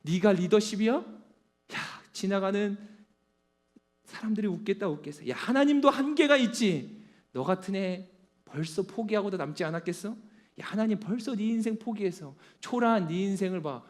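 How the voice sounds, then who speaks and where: A man's voice: high voice, lively intonation, moderate pace. Contemptuous male devil accuser, sneering taunts, put on by a male preacher. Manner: mocking, contemptuous jeering.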